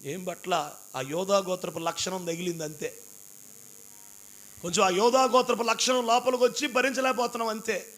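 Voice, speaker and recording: A man's voice: sits high, fairly even intonation, normal speed, long pauses, a bit bright. A man preaching an impassioned sermon, acting out pleas and quotes. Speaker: pastor.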